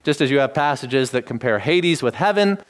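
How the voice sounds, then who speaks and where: A middle-aged man preaching, teaching in a measured tone and lifting his voice to stress key phrases. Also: mid-range voice, expressive. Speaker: pastor. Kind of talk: expository sermon.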